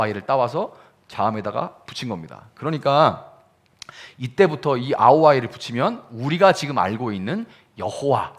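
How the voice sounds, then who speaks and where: Lively-voiced male pastor teaching. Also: medium pitch. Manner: conversational teaching, asks the congregation questions, sounds out syllables. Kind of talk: explanatory sermon. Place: small church service.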